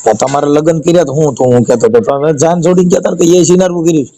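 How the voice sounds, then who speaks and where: A man's voice: a little high, fast, warm tone, a little hiss or hum. A middle-aged man with a rural Saurashtra Gujarati accent, bluntly questioning and reproaching someone over the phone. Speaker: advisor taking a recorded phone call. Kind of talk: confrontational phone conversation.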